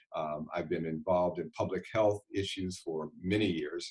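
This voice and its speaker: Somewhat breathy, a man speaks at a fairly slow pace with a fairly low pitch. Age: 60s. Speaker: physician. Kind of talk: interview. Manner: halting, many fillers.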